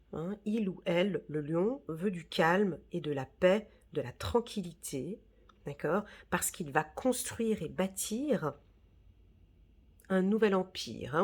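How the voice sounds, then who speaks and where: A woman's voice: fairly low pitch, slightly rough. A woman giving a casual, reassuring tarot reading, full of fillers and "d'accord?" checks. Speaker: tarot reader.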